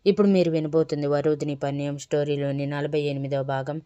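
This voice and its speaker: Woman reading a love story aloud, smooth clear voice, bit low. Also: brisk. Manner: dramatic, even-paced storytelling. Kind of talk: scripted narration of a romance serial.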